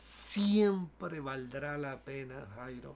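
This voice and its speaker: Lively intonation carries a man's speech as he talks very slowly. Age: 60s. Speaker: former finance minister and professor. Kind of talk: interview. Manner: hesitant, repeats words.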